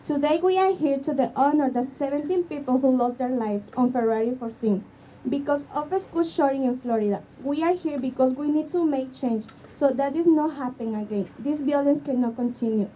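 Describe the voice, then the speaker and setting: Young woman, Guatemalan Spanish accent, high dark voice, distant mic, faint outdoor noise. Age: young adult. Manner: earnest, halting non-native English. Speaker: student speaker at a rally. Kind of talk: prepared rally speech. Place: outdoor school campus.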